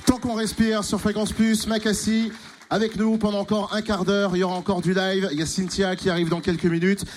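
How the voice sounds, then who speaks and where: A man's voice: high-pitched, little pitch movement, brisk, faint music behind. A man hosting a live radio show, upbeat and joking with his guests. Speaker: radio host. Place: radio studio.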